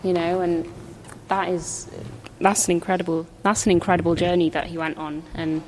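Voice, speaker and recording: A woman's voice: fairly low pitch, flat delivery, normal speed, darkish tone. A young Welsh woman, a musician, chatting casually as she describes an exhibition while walking through it. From Wales. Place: exhibition room. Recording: echoey hall with faint background noise.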